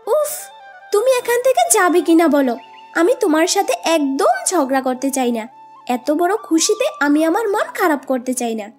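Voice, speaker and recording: Selfish mother bird, female performer: very high, swooping cartoon voice, sulky and dismissive. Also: very animated, normal speed, soft background music. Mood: irritated. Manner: whiny, snappish, dismissive. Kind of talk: children's cartoon acting.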